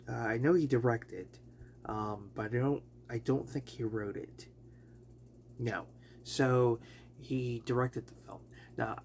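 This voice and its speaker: A man with a slightly raspy voice from allergies, casually reviewing a film and rambling with many fillers and self-corrections. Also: lowish voice, a little mellow, slight background noise.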